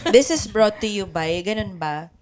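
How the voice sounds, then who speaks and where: A woman's voice: mid-range voice, lively intonation, measured pace, a crowd in the background. A woman with a Filipino accent chatting casually as a podcast host, switching between two languages. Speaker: podcast host and improv performer. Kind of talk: casual podcast chat mixing Tagalog and English.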